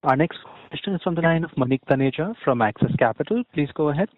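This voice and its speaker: A man's voice: on the high side, animated, quick pace. A man moderating a conference call in a formal operator style. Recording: narrow phone-line audio.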